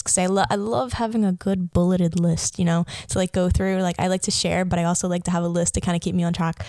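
A woman's voice: on the low side, creaky, darkish tone, no room sound. A young adult woman hosting a casual solo podcast, rambling and chatty with lots of filler words and a slight lisp. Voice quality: slight lisp from a watering mouth. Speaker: podcast host.

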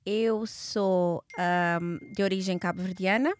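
A woman's voice: fairly low pitch, fairly even intonation, slow pace, no echo, clean studio sound. A woman in her thirties, born in Portugal, speaking as an interview guest in a hesitant, reflective way with frequent fillers and restarts. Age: 30s. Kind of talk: conversational interview.

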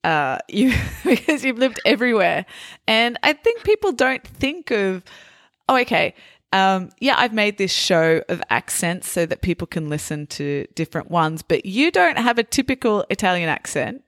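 A woman hosting a podcast interview, chatty and quick to laugh, asking many questions. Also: mid-range voice, sing-song, a bit bright, no room sound, clean studio sound. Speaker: podcast host. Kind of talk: casual interview.

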